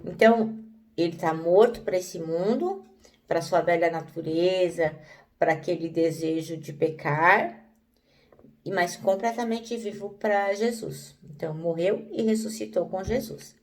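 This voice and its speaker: A woman's voice: lowish voice, a little slow, darkish tone, distant mic, a little hiss or hum. A woman teaching the Bible in a conversational way, often checking in with "né?" and "então".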